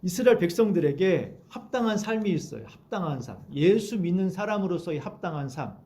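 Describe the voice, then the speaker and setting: A male pastor delivers a sermon in a conversational, animated way. His voice sits fairly high and swings widely in pitch, and he slips in short acted-out quotes of everyday people to make his points. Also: brisk. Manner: lively conversational preaching, acts out quoted voices.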